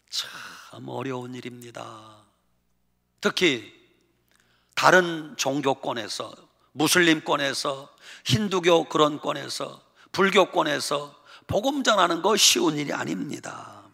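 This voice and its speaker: A male pastor preaching a sermon with animated delivery, acting out biblical voices. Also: fairly high pitch, vocal fry, long reverb tail.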